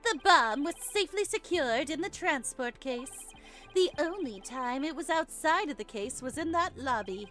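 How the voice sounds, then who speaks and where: High-pitched theatrical woman reading game dialogue. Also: lively intonation, normal speed, fairly bright tone. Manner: theatrical, playful. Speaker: let's player reading game dialogue aloud. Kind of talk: gaming playthrough with dramatic read-aloud of characters. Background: video game music.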